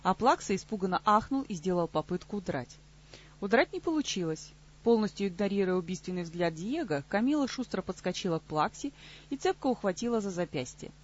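A woman reads a fantasy novel aloud with a lively, ironic touch. Her voice sits in the middle range with a husky grain, and the recording sounds dull and lo-fi. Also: mid-range voice, brisk. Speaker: audiobook narrator. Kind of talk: scripted audiobook narration.

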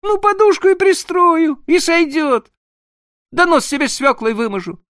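Brief: a man playing a giddy young woman in a storybook reading, high and breathless. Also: sing-song, a little slow, a bit bright, no echo, clean studio sound, heavily acted. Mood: giddy scheming. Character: young frightened then overjoyed woman, impulsive.

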